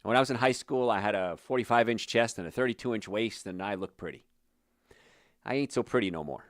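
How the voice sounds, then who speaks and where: A man's voice: on the low side, a little fast, no echo, studio quality. A middle-aged man hosting a health talk, speaking plainly and emphatically straight to the viewer. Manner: plain-spoken, emphatic, addresses the viewer directly. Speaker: health show host. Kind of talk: direct-to-camera health talk.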